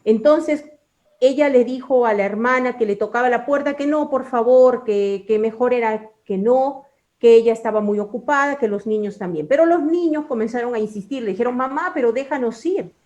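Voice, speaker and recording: A woman with a fairly high voice hosts a Christian program. She speaks earnestly and reverently, with formal courtesy, as she narrates and interviews in a devotional style. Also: moderate pace, darkish tone, lo-fi sound.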